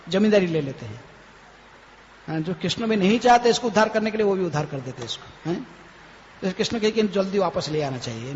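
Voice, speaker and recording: A high-pitched man gives a devotional temple lecture and keeps tagging his phrases with a questioning "hain?". His voice carries a long hall reverb, and the recording sounds dull and lo-fi with faint noise behind it. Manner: chants scripture verses slowly. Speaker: swami giving a lecture.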